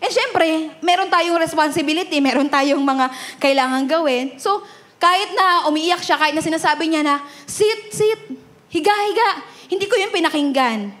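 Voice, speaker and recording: High-voiced Filipino woman preaching. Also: normal speed, fairly bright tone. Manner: mixes Tagalog and English, asks "Amen?" and "Di ba?". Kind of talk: sermon.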